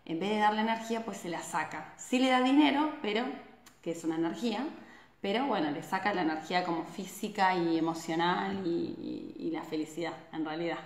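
This woman's voice is lowish and a little fast, carrying an Argentine Spanish accent. She's in her thirties, from Argentina, and chats her way through a casual live stream, peppering it with tag questions and animated hand movements. A phone at arm's length records her in a small indoor room with noticeable echo.

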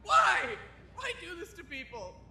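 A woman's voice: extremely high pitch, huge pitch swings, a little slow, pushed and bright, slight background noise, heavily acted. A woman playing a nervous, whiny, naive young sidekick in a comedic audio drama, anxious and stammering. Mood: disgusted.

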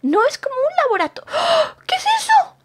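A woman's voice: extremely high pitch, big pitch swings, brisk. A woman playing a jumpy, stammering young woman. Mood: jittery, flustered. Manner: stammering, repeats words when startled. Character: jumpy young woman, easily frightened and fussy. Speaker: roleplay channel host. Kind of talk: improvised game roleplay.

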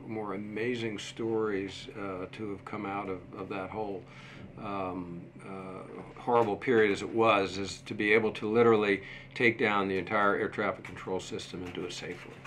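A man in his sixties answering interview questions in a measured, halting way, pausing as he goes. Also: on the low side, a bit bright, slight background noise. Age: 60s. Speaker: interview guest, museum deputy director and former airport manager. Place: small indoor office set. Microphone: desktop microphone shared at a table.

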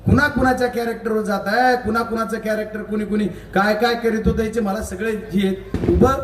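A man giving a combative, mocking election rally speech, shouting at times. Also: high voice, fairly even intonation, a little fast, reverberant, distant mic. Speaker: political speaker.

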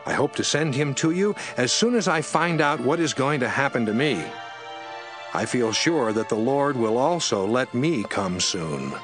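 Male scripture narrator, measured and expressive, lively pitch, music bed underneath. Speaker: Bible narrator. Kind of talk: scripture reading. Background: background music.

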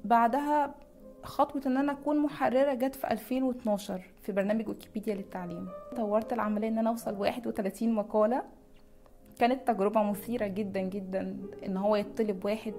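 A woman's voice: medium pitch, steady tone, rapid-fire, darkish tone, soft background music. A young woman with an Egyptian Arabic accent answering eagerly in an interview in a library room.

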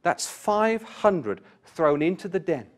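A man's voice: high voice, big pitch swings, slow pace. A man giving a Bible study talk, reading scripture aloud with rising emphasis and turning to the listeners with direct questions. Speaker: Bible class speaker.

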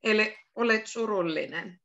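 Woman language teacher, bright voice, repeats words slowly, lo-fi video call sound. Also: mid-range voice, gravelly. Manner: slow, repeats words and gives English glosses. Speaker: Finnish teacher. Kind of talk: online beginner language lesson.

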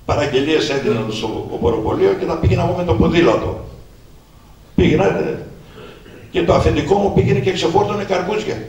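Man in his 60s, raised pitch, gravelly, storytelling to a crowd, distant mic, boomy hall. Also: lively intonation, darkish tone. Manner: anecdotal, addresses listeners directly and acts out old dialogues. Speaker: author presenting his book. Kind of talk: personal storytelling to an audience. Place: event hall at a book presentation. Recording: echoey hall, distant mic, faint noise.

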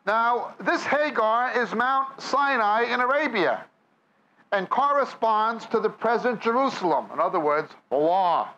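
A man's voice: extremely high pitch, animated, measured pace, bright, forceful tone, lo-fi sound. A man with a New York accent preaching a sermon, reading scripture aloud and then explaining it to a live audience. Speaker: Bible teacher. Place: church or meeting hall with audience.

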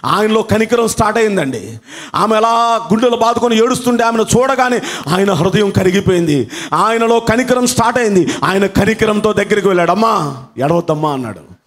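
A man's voice: sits high, lively intonation, brisk. A man preaching a sermon as pastor, telling a story dramatically, repeating phrases for emphasis and calling out hallelujah. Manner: fervent, exclaims hallelujah.

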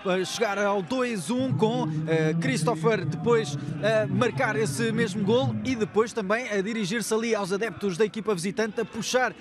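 High-voiced European Portuguese man commenting on football. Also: normal speed, loud music behind the voice. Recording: clear stadium noise behind the voice.

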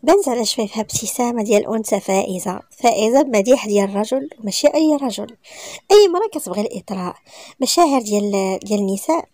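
A woman's voice: mid-range voice, mellow, no echo. A woman with a Moroccan accent narrating a romance story in an intimate storytelling manner.

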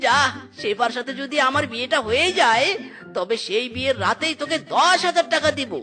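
A man voicing an excitable, boastful fox in a cartoon who is desperate to marry. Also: very high voice, a little fast, soft background music, full character voice. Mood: delighted. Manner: sings, shouts and swears playfully. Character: lovesick male fox matchmaker, boastful and excitable. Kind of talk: cartoon voice acting.

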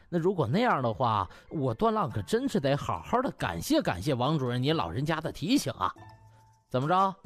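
A man voicing a smug young schemer in an audiobook, gloating with oily, mock-polite courtesy and drawn-out interjections. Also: on the high side, no echo. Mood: smug mockery. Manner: oily fawning mockery, drawn-out interjections, chuckling. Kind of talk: audiobook character acting.

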